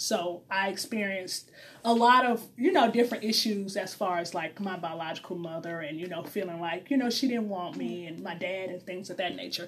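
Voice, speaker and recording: With an ordinary speaking voice, a woman talks at a fairly quick pace with hardly any pauses, her medium pitch showing ordinary variation and her loudness swinging widely. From US Midwest, St. Louis, Missouri. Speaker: podcast guest. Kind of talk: casual chat.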